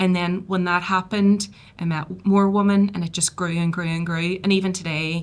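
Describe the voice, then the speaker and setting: At a moderate pace, a woman with a strong Irish accent speaks in a fairly low pitch with monotone, flat intonation. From rural Ireland. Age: 40s. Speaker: architecture digital design professional and mentor. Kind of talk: podcast interview. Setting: live at industry event.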